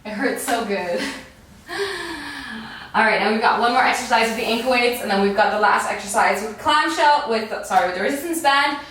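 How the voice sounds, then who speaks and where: A woman's voice: fairly high pitch, fast talker, hardly any pauses, a bit bright. A woman leading a workout in a peppy, encouraging, casual way, exerting herself as she talks. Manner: exerting herself while talking. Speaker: fitness coach leading a workout. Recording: echoey room, distant microphone.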